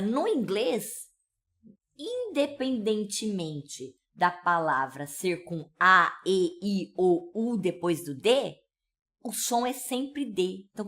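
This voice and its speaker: A woman's voice: mid-range voice, a bit bright. A woman with a São Paulo accent teaching pronunciation, explaining step by step and checking in with listeners often. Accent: São Paulo Brazilian Portuguese. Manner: explanatory, with frequent "né?" and "tá?" check-ins. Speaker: English teacher. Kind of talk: pronunciation lesson.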